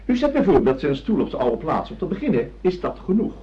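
Swooping, pompous doctor, muffled recording. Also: male voice, a little high, sing-song, quick pace. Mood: insistent, declamatory. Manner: pompous, theatrical, lecturing. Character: self-assured doctor lecturing an anxious family, officious. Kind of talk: radio drama acting. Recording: dull lo-fi radio drama recording.

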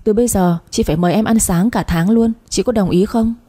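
A sharp-tongued young woman who says exactly what she thinks, mocking and blunt, read by a woman storyteller. Her voice sits dark and husky. It is a spoken storybook telling. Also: mid-range voice, a little fast, close to an everyday voice. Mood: teasing. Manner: outspoken, mocking.

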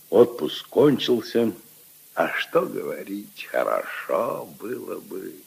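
An actor playing an old, gentle general in a 1950s radio play, talking slowly with fond sighs. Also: male voice, sits low, gravelly, husky, full character voice, low-quality recording. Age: older. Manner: slow, fond, sighing. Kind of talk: 1950s radio drama acting. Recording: old radio recording with music.

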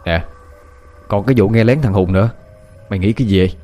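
A man voicing an exasperated young man who scolds his best friend loudly. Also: lowish voice, fast, faint music behind, lightly acted.

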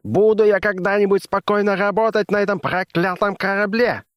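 A man's voice: mid-range voice, fairly even intonation, a little mellow, no echo, clean studio sound, pitched above the performer's own voice, lightly acted. A male audiobook reader voicing a furious, unhinged male scientist who roars his lines. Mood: bellowing. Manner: roaring, raised and drawn-out.

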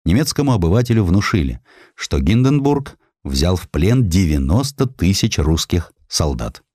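A man's voice: deep voice, very animated, normal speed, darkish tone, no room sound, studio quality. A man narrating a historical essay as a scripted audiobook, with an emphatic, theatrical storytelling delivery.

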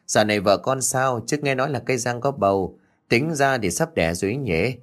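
A man voicing a gentle, frail elderly mother who wails in grief. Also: medium pitch, fairly quick, close to an everyday voice. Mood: warm.

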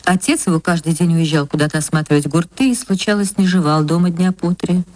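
A woman narrating a literary radio play in a measured, expressive way. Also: on the low side, no echo.

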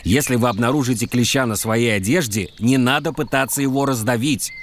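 A man playing a doctor out mushroom picking, who explains safety rules calmly and patiently. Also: mid-range voice, brisk, a little hiss or hum, natural voice. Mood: instructive. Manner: calm, instructive, explains patiently.

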